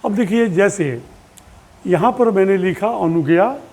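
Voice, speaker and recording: Male teacher, high voice, unhurried, drills forms aloud and quizzes pupils. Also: animated, a little mellow. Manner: patient, repeats drill forms aloud slowly; asks questions of pupils. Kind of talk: online classroom lesson.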